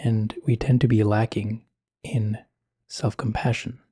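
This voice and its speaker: Soft, husky man guiding meditation. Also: fairly low pitch, little pitch movement, no room sound, clean studio sound. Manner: slow, gentle, measured with long pauses. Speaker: meditation guide. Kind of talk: guided meditation.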